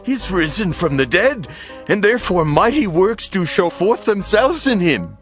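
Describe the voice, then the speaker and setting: A man's voice: sits high, sing-song, moderate pace, soft background music. A man playing an alarmed, superstitious ruler in a dramatized Bible reading. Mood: alarmed awe. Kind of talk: dramatized scripture audio reading.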